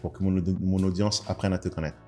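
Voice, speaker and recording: Low, fast-talking male podcast host. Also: fairly even intonation, a little mellow, soft background music. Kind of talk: interview conversation.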